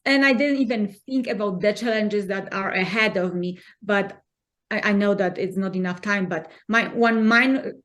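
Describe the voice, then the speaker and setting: A woman from Poland with a Polish accent, a podcast guest talking in an earnest, encouraging way with halting non-native phrasing. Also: mid-range voice, fairly bright tone. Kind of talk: conversational interview.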